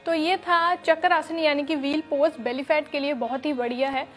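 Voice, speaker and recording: A young woman teaching yoga in a studio, giving calm step-by-step instructions with many fillers, on a lapel mic. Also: high-pitched, normal speed, soft background music. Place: studio with red floor and dark curtains.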